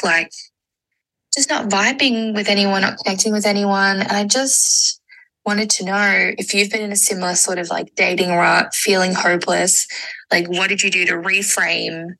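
Gravelly, bright-voiced woman caller. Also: medium pitch, rough recording. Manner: hesitant, rambling, frustrated. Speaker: listener with a dating question. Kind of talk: recorded voice message.

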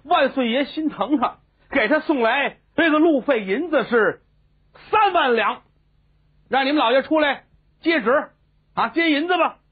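A man's voice: very high-pitched, expressive, measured pace, voice pushed up. A man voicing a scheming, fawning male court minister, wheedling and needling in a story telling. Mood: mocking. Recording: tinny phone-like sound.

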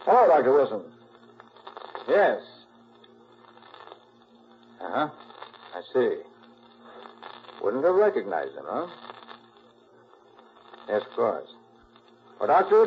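A man playing a confident, shrewd master detective in a 1940s radio drama, decisive and authoritative. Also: mid-range voice. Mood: brisk. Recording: muffled, noisy old 1940s radio recording.

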